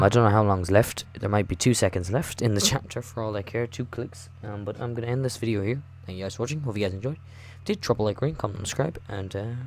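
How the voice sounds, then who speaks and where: A man hosting a gaming video, chatting casually and reading a visual novel aloud in a hushed, late-night voice. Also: fairly low pitch, a little hiss or hum. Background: music.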